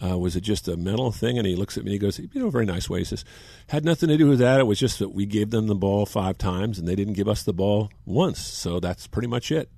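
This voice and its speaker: A man in his sixties, a longtime sports broadcaster, telling animated anecdotes in casual chat. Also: on the low side, fast talker, gravelly, hardly any pauses, dry recording, studio quality. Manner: animated anecdotes, acts out quotes.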